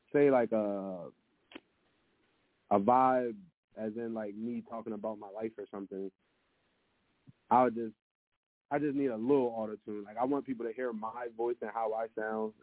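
A man with a deep voice answering interview questions about his music in a relaxed, hesitant way, with lots of fillers and restarts. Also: normal speed, pauses often, dry recording. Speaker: musician guest. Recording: dry, narrow phone-like sound.

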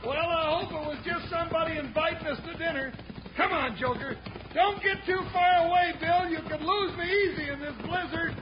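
A noisy, muffled vintage radio recording of a big comic cowboy sidekick. His voice is very high and folksy, full of whiny, good-hearted grumbling, in old western drama style. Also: steady tone, moderate pace. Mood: whiny, excited. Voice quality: high-pitched.

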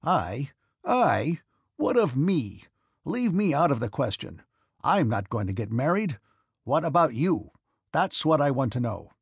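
A man reading the part of an irascible old prince who is a domineering father, with a sharp, scornful, shouting manner. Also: fairly high pitch, big pitch swings, moderate pace, creaky, breathy edge, no room sound, studio quality, pitched above the performer's own voice, heavily acted. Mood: angry shouting. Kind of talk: audiobook character reading.

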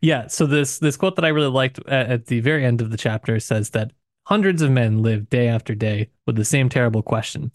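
A man's voice: mid-range voice, brisk, no room sound, studio quality. A man co-hosting a casual book discussion podcast in a wry, teasing way, with joking asides. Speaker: podcast co-host. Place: recording booth.

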